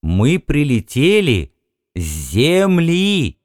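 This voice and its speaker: A man's voice: medium pitch, big pitch swings, a little slow, no echo, clean studio sound. A man playing an overconfident spaceship captain who talks in a hearty, pushy way, in an audiobook reading. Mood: insistent.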